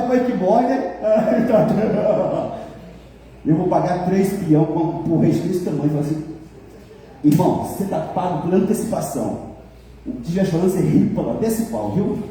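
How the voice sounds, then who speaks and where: A male pastor preaching a lively sermon, joking and keeps asking the congregation for amens. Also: high voice. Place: large church hall. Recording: echoey hall from far off.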